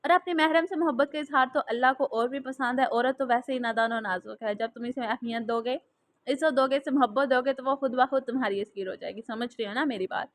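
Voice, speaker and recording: Gentle old male cleric, instructive and soothing, read by a woman, brisk delivery. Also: high-pitched, natural voice. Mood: consoling. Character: gentle elderly male mosque cleric giving counsel.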